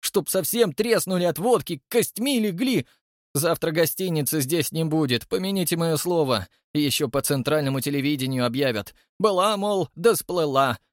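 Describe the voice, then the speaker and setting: A man voicing an elderly, frightened woman concierge who gossips and complains in a hushed, fretful way. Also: a little high, animated, moderate pace, no room sound, clean studio sound, pitched above the performer's own voice, lightly acted. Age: older.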